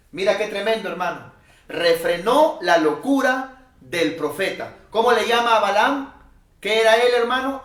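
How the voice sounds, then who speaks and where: High-voiced preacher in an echoey room. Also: male voice. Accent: Peruvian Spanish. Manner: emphatic preaching, swings from loud calls to low asides. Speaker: pastor. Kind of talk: sermon.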